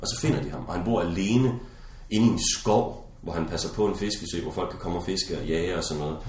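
Man, low voice, casual chat, lively storyteller, echoey room. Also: far from the mic, a little hiss or hum.

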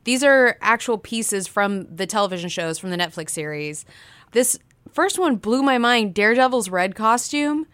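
A woman's voice: fairly high pitch, lively intonation, moderate pace, fairly bright tone, dry recording. A woman co-hosting a podcast in a playful, jokey casual chat. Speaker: podcast co-host.

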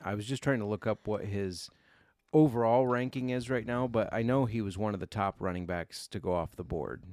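A man's voice: on the low side, fairly quick, a little mellow, no room sound, studio quality. A man co-hosting a sports podcast in a casual, conversational style. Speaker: podcast co-host. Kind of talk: casual fantasy football podcast chat.

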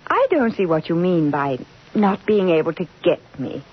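An actress playing a gentle, restrained young lady in an old radio drama, speaking in a measured, quietly torn way. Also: fairly low pitch, big pitch swings, breathy edge. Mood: composed. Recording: muffled vintage radio recording.

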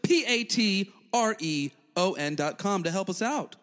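A man co-hosting a casual podcast interview, enthusiastic and quick to laugh. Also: sits high, animated, fairly bright tone. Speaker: podcast co-host. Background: music.

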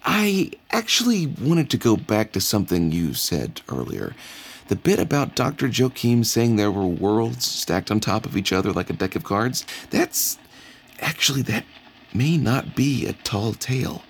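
A man's voice: fairly low pitch, sing-song, measured pace, slight background noise. A middle-aged man interviewing an older storyteller, curious and a little fumbling. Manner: curious, slightly fumbling with fillers. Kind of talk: casual interview.

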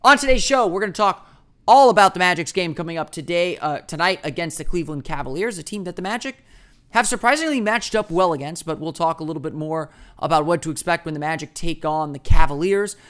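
Guy doing a daily sports podcast solo, rambly and chatty, voice sits a little high. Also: expressive, fast talker, a bit bright, smooth. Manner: puts on a booming radio voice for the intro.

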